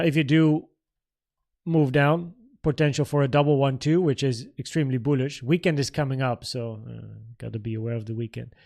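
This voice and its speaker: A man in his thirties from the Netherlands, with Dutch as his first language, hosts a live trading stream. His voice sits a little higher than average. He talks informally, thinking aloud as he reads and answers comments from viewers. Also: darkish tone. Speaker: trading livestream host. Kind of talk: casual livestream Q&A and market commentary.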